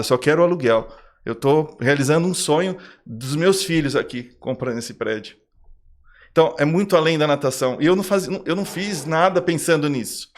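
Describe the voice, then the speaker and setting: A middle-aged man who manages a swimming school tells a heartfelt story in a casual interview. He has a mid-range voice and repeats phrases for emphasis.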